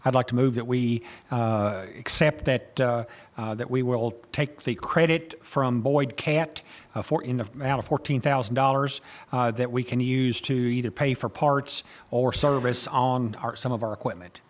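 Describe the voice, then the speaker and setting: An American man, a county official, making motions and explaining them in halting, unscripted meeting talk. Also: medium pitch. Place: local government meeting room.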